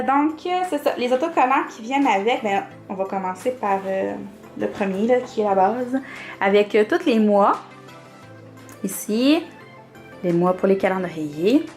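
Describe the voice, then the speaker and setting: A woman's voice: medium pitch, darkish tone. A young woman with a Québécois French accent, chatting casually as she shows off her planner, with lots of fillers and little laughs. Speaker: planner vlogger. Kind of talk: casual show-and-tell.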